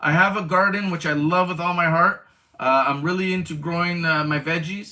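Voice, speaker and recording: A man's raised, projected voice, high in pitch, at a moderate pace. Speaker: coin collector livestreamer. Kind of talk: casual livestream chat. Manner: halting, many fillers.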